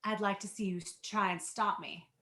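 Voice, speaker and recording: A woman's voice: medium pitch, fairly even intonation, moderate pace, pushed and bright, close to an everyday voice. A woman voicing a reckless, flippant young rebel daughter in a screenplay table read. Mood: flippant, teasing.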